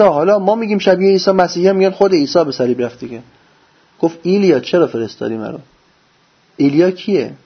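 A religious teacher gives a lecture in a slightly high, husky male voice, preaching with lively rhetorical questions that he answers himself. The recording sounds dull and lo-fi.

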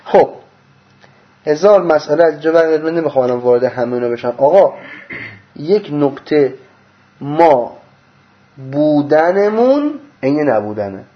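A man gives a mystical religious lecture in a fairly high voice. He poses rhetorical questions and answers them himself, jumping from loud emphatic bursts down to low murmurs. The recording sounds dull and lo-fi. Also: lively intonation, long pauses. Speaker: religious teacher.

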